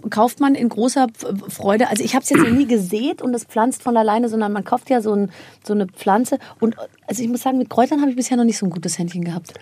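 Podcast host, woman, slightly high, husky, playful and teasing. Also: fast talker, few pauses, mellow, no room sound. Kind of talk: casual interview chat.

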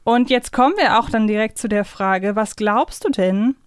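A woman's voice: mid-range voice, normal speed, smooth, no echo. Woman chatting on a podcast, dry close sound. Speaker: podcast co-host. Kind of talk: casual conversational podcast discussion.

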